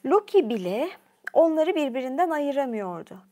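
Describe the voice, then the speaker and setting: A woman storyteller reading a myth aloud, expressive, with a few casual asides. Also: high voice, moderate pace. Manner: expressive, occasional aside comments.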